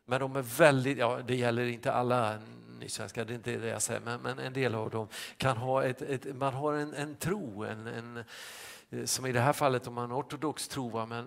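A male pastor telling a personal anecdote in a sermon, halting with many restarts and fillers. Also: medium pitch, gravelly.

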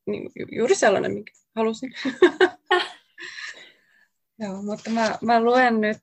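A woman author reading her own poetry aloud in slow, deliberate short lines. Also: on the high side, steady tone.

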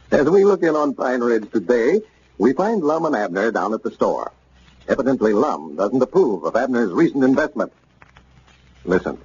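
Male 1940s radio announcer, folksy and lively, muffled old broadcast sound. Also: medium pitch, unhurried, pauses often, husky. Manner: friendly, folksy introductions and ad talk. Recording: dull old radio recording with faint hiss.

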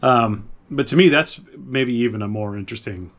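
A man's voice: medium pitch, moderate pace, fairly bright tone. Man chatting casually as a podcast co-host. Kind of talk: casual chat about movies and video games.

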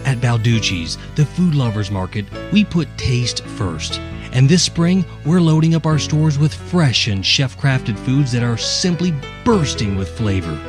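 American male imaging and commercial announcer, lively intonation, strong music underneath. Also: medium pitch, unhurried. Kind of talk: scripted promo and advert narration.

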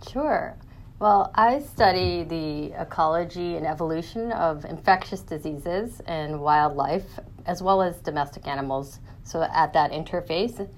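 A woman's voice: low voice, a little slow, rough recording. A woman, an academic guest explaining her research in an interview.

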